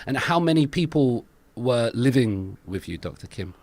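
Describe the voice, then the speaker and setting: A man's voice: mid-range voice, animated, normal speed, darkish tone. Curious male podcast interviewer. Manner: curious, encouraging questions. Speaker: podcast host.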